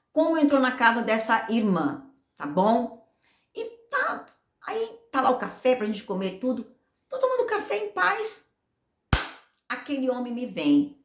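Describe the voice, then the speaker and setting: A woman pastor giving a lively sermon testimony, acting out the dialogue as she tells the story. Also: mid-range voice, reverberant.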